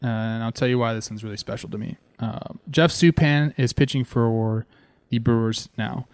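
A man in his thirties from Southern California, a former ballplayer and host, telling stories in an excited, casual way. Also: moderate pace, dry recording. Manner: excited, animated, talks with fillers like "man" and "boom". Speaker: former ballplayer hosting a show. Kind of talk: casual storytelling.

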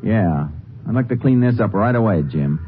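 An actor playing a calm, firm Texas Ranger investigator, plain-spoken, in 1950s Western radio drama style. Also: male voice, on the low side, moderate pace, over loud music, close to an everyday voice. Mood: matter-of-fact. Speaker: lead character and narrator. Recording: muffled, noisy 1950s radio recording.

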